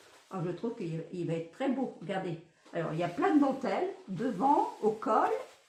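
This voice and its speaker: At a moderate pace, a woman speaks with very wide pitch swings, amid audible room echo and noticeable background noise. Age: 60s. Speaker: fashion haul vlogger. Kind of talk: casual chat. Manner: animated.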